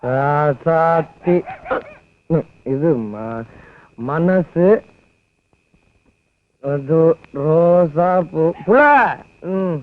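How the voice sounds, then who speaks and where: A drunken young village man drags out every word in a slurred, sleepy drawl. His voice sits high and crawls along. The sound is a thin, tinny old film track with music underneath. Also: very animated, slow, pauses often, full character voice. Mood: drunk, slurring. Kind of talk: 1990s Tamil film acting.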